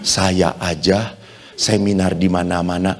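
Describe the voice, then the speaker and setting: A man's voice: low-pitched, unhurried. A Catholic priest giving a humorous sermon to a congregation, acting out little dialogues to make his points. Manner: animated, preacherly.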